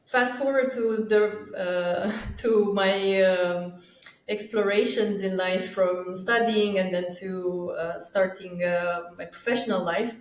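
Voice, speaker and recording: A woman's voice: medium pitch, fairly even intonation, slow pace, roomy sound. A woman from Romania, a summit co-founder, talks casually in an interview and often hesitates with fillers and restarts.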